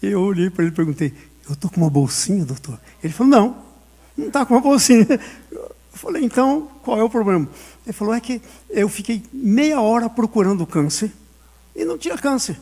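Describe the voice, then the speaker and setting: Male pastor, high and slightly husky; storytelling sermon, acts out dialogue. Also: expressive, brisk, warm tone. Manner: storytelling, acting out dialogue, laughing often.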